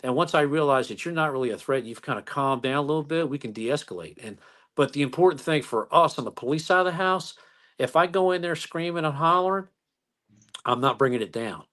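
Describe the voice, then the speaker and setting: A man who is a police officer, telling stories calmly in a casual interview, with many fillers and restarts. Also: fairly high pitch, fairly quick.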